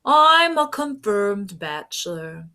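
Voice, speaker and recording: A woman voicing a prim, homebody bachelor tuba from a storybook, speaking deliberately. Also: medium pitch, big pitch swings, bright, forceful tone, exaggerated voice. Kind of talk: storybook character voice.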